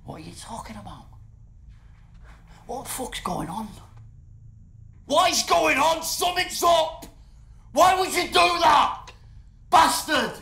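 An actor playing a brash, blustering, foul-mouthed radio co-host in a film thriller, a matey man with a gravelly voice and a volatile temper. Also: medium pitch, sing-song, normal speed. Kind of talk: naturalistic film thriller acting.

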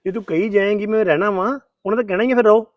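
An actor playing an impatient young husband who insists on going home in a family drama. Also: male voice, high-pitched, steady tone, very fast, dry recording, highs cut off, close to an everyday voice. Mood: insisting. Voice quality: insistent, grumbling. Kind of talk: Punjabi family drama acting.

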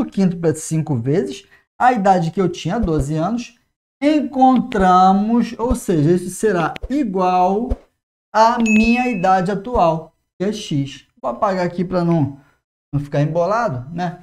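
A Brazilian man in his forties teaches math at a whiteboard, recorded close on a lapel mic. He talks to the viewer with lively little checks like "né?". He slows right down to spell out each step. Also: high-pitched. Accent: Brazilian Portuguese. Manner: energetic, talks to the viewer with frequent "né?" and "ó". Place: classroom in front of a whiteboard.

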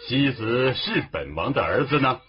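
A man's voice: medium pitch, very animated, moderate pace, natural voice. An actor as a cunning old king. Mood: scheming. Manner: commanding, with mocking laughs. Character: cunning aging king, imperious and playful. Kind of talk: period TV drama acting. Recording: dull lo-fi TV audio. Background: score music.

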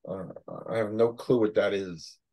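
A man's voice: on the low side, moderate pace, dark tone, poor audio. An older man hosting a casual interview, rambling and emphatic, repeating words as he goes, on a video call from a home office. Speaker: show host.

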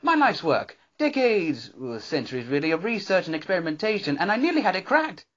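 Cartoon male pony scientist, played by a voice performer: eccentric, exclamatory, genteel, very animated pitch, somewhat muffled sound. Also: fairly quick. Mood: earnest, musing. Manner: theatrical, exclamatory, wordy and genteel. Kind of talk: character voice reel, theatrical cartoon acting.

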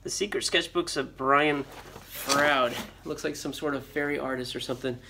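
A middle-aged American vlogger who buys and resells storage auction units gives casual, unscripted commentary while unboxing on a concrete floor. His voice is medium-pitched, steady, gravelly and moderately paced; he rambles and thinks aloud over loud rustling, crumpling, clicks and crinkling in a noisy handheld recording.

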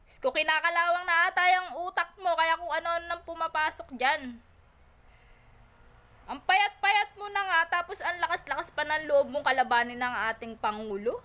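A woman's voice: high voice, fairly even intonation, a little fast, bright, forceful tone. A Filipino woman vlogger living abroad, scolding and mocking someone in a heated reaction rant, repeating her taunts. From Philippines. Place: home in Taiwan.

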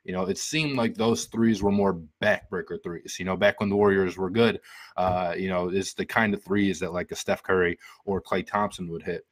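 A man's voice: low voice, fairly even intonation, moderate pace, no echo. An American man in his twenties giving casual, rambling sports commentary as a show host, close to a desktop mic at home. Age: 20s. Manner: rambling, conversational. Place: small room at home. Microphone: desktop microphone up close.

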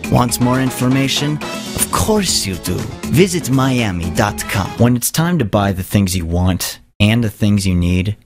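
A man with a fairly low voice reads scripted commercial narration as a voice actor. Music plays clearly behind him. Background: background music.

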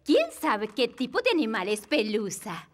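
Lively, high-voiced schoolteacher. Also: female voice, a little slow, a little hiss or hum. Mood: cheerful, instructive. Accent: Latin American Spanish. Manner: instructive, singsong. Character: prim, sweet schoolteacher of small children. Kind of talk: children's cartoon dub. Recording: faint music behind.

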